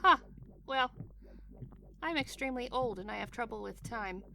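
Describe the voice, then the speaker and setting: A woman's voice: on the high side, lively intonation, normal speed, vocal fry, pushed and bright, a little hiss or hum, heavily acted. A woman playing a brash, chatty captive with a sassy, casual manner, in an audio drama. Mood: coaxing, chatty.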